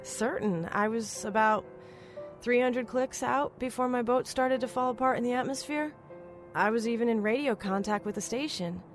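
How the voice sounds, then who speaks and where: A woman's voice: fairly high pitch, normal speed, soft background music, close to an everyday voice. An actress playing a plucky, frank female survivor of a spacecraft crash in an audio drama. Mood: concerned, steady.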